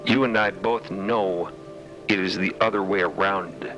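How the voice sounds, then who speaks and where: A man voicing a serene, dignified matriarch of a scholarly order in an audio drama, speaking formally, with measured reassurance. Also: low voice, steady tone, music in the background, poor audio. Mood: solemn encouragement. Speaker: actor in a fiction podcast.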